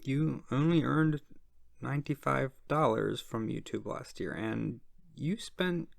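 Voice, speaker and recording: A shy, awkward tax auditor played by an ASMR performer speaks softly and haltingly in a roleplay. The delivery is slow and creaky, with stammers and breathy drops toward a whisper, recorded close and dry. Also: medium pitch, no echo. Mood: hesitant, suspicious.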